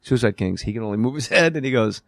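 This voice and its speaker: A man hosting a comedy podcast, teasing his guest in quick, profane banter. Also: mid-range voice, expressive, no echo, clean studio sound. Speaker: podcast host. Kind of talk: casual comedy podcast chat.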